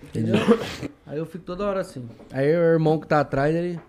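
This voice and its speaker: A man telling stories as a guest on a casual podcast, joking and animated, laughing often. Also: a little high, fast, a little hiss or hum.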